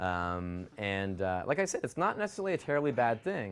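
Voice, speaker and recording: A man with a Canadian accent in a very clean recording with a silent background. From New Brunswick, eastern Canada. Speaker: dating coach. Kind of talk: workshop talk answering questions. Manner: projecting, loud without yelling.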